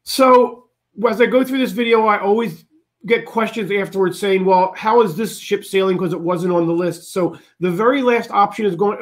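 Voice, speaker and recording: Man with a high voice reading updates. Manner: steady, methodical list-reading. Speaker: host of a cruise travel channel.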